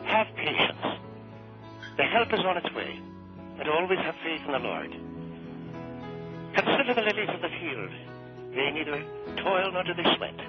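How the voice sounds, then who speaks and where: A man voicing a lilting Irish priest who used to be a violent New York cop, swinging from gentle preaching to brutal shouting. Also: on the high side, big pitch swings, normal speed, pauses often. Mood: preachy calm. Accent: Irish, put on. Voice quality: lilting, sing-song. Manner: switches between soothing preaching and brutal shouting. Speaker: radio comedy character. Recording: lo-fi radio broadcast with music underneath.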